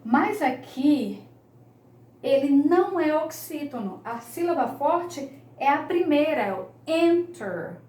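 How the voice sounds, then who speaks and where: A woman's voice: high-pitched, very animated, takes it slowly, a little mellow, roomy sound. A woman, teaching English grammar in an online lesson, patiently repeating each key point.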